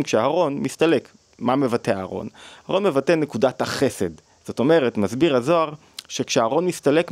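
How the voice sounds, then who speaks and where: A man's voice: medium pitch, a little mellow, dry recording. Male lecturer, mid-range voice, thoughtful questioning delivery, dry recording. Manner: thoughtful, questioning, with frequent restarts. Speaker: psychology lecturer on the weekly Torah portion. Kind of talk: spoken teaching talk.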